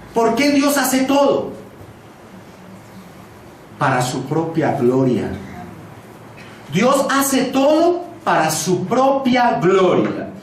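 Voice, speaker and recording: A man's voice: sits high, slight background noise. Emphatic male preacher in an echoey hall. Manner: emphatic, repeats key phrases for stress. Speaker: pastor. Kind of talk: expository sermon. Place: church sanctuary. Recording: echoey church hall, mic from a distance.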